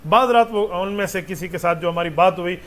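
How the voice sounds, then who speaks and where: A man's voice: high-pitched, brisk. A man, a mufti answering religious questions with patient explanations and rhetorical questions.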